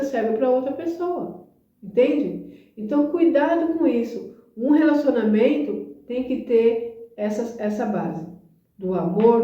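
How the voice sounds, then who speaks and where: Brazilian woman vlogger, earnest coaxing advice, warm dark tone, distant echoey dull recording. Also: on the high side. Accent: Brazilian Portuguese. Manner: earnest, coaxing, asks the viewer questions. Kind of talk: casual advice talk to camera.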